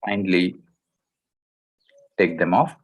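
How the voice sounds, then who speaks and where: Low-pitched, husky male meditation guide. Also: little pitch movement. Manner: gentle, deliberate, short phrases with long pauses.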